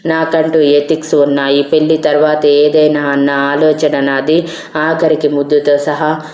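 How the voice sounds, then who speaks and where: A woman's voice: deep voice, level tone, measured pace, a little mellow. A stern angry young man, as a woman reads him. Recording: roomy echo.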